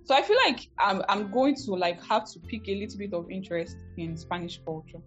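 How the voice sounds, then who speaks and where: A woman's voice: mid-range voice, lively intonation, brisk, muffled recording, soft background music. A woman with a Nigerian accent, a language teacher answering interview questions earnestly with fillers like "as in". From Ebonyi, Nigeria. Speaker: podcast guest, Korean teacher.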